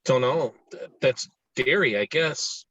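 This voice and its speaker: A man's voice: mid-range voice, slow pace, a bit bright, no echo, poor audio. A man reading an earnest, awkward, bookish new-kid boy in a screenplay table read, with hesitant, informative delivery. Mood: guarded, earnest.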